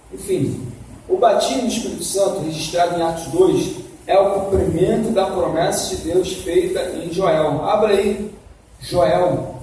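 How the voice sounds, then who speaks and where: Teaching Sunday school on the Bible, a man with a fairly high, warm voice keeps asking his class questions in a coaxing way. He is heard from far away in an echoing church hall, with a little hiss or hum.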